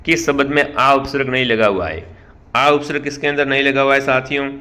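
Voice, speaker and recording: A male online teacher with a Rajasthani Hindi accent runs a quick-fire spelling quiz. His voice is bright and forward, and it sits at an ordinary middle pitch. He keeps putting questions to the viewers and then answers them himself. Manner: keeps calling out to the viewers as friends. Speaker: online exam-prep teacher.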